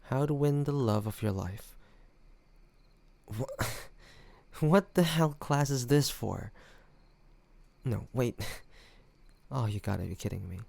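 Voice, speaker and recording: Young male academic rival, acted by a man: cocky teaser, slow-paced, gravelly delivery, audio roleplay. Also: medium pitch, animated, a little mellow, dry recording, full character voice. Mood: incredulous, amused. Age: young adult. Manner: mocking, teasing, playful.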